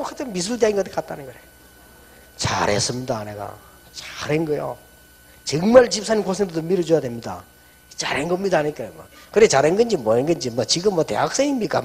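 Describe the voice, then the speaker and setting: A middle-aged man preaches a sermon, telling stories in a lively way. His voice sits high and leaps all over the place. A long reverb from the church hall trails each phrase. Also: slightly rough. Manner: animated storytelling, drops soft and low when quoting. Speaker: pastor.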